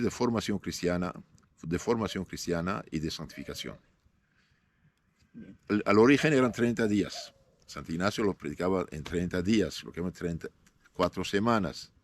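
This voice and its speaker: A man in his fifties, born in northern Syria with Aramaic as his first language, answering interview questions as a priest in a measured way, often pausing with fillers. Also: low voice. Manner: measured, halting with frequent "eh" fillers and restarts.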